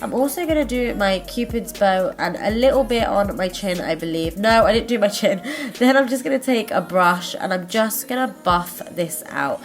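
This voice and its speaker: A woman's voice: medium pitch, expressive, moderate pace, soft background music. A woman with a blocked nose from a cold, hosting a makeup tutorial in a chatty, friendly way and sometimes correcting herself as she goes. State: congested, stuffy-nosed from a cold. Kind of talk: casual step-by-step tutorial narration.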